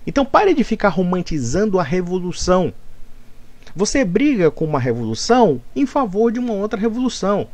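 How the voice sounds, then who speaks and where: A man's voice: high-pitched, sing-song, brisk, a little mellow, no echo. A man delivering an argumentative, lecturing rebuttal monologue. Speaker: commentator.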